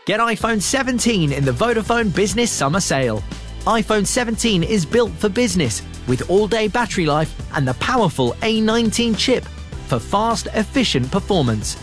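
Upbeat high-voiced male ad announcer. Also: lively intonation, normal speed, soft background music. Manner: upbeat, salesy. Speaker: advert voice-over. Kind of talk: scripted ad read.

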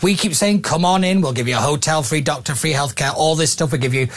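A man's voice: fairly high pitch, fast talker, fairly bright tone. A man in an opinionated chat show, ranting indignantly.

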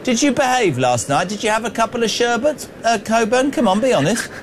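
A man's voice: very high-pitched, lively intonation, a little fast, slight background noise. A man hosting breakfast radio, teasing his guest and stammering through restarts. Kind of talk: jokey live radio chat.

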